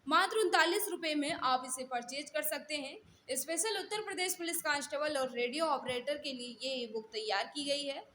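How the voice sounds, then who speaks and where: Woman, high-pitched online test-prep teacher, instructional and repetitive, faint noise behind her. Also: pushed and bright. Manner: instructional, repeats questions and set phrases. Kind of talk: live mock-test lesson, questions and answers.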